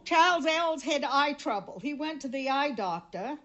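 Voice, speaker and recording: An older woman with a Maine accent telling humorous local stories at a live event, delivering the punchlines dryly and deadpan. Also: high voice, normal speed. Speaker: storyteller. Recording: dull recording from a live event.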